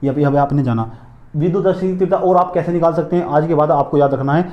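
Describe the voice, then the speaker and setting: A man's voice: a little high, fast, echoey room, lo-fi sound. A man teaching physics in a classroom lecture, repeating points and drilling his students with questions and answers.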